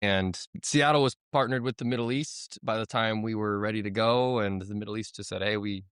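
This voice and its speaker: Thirtysomething guy, smooth clear voice, dry close mic, chatty missionary guest. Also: on the low side, fairly even intonation, fairly quick, a bit bright, dry recording. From United States. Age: 30s. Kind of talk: conversational interview storytelling.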